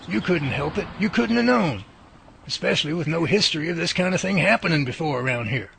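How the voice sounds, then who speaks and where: A man's voice: a little high, animated, brisk, gravelly, a bit bright, husky, exaggerated voice. A man playing an earnest, reassuring professor who studies Bigfoot, explaining things emphatically in a radio drama. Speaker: Bigfoot researcher character. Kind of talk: amateur radio drama dialogue.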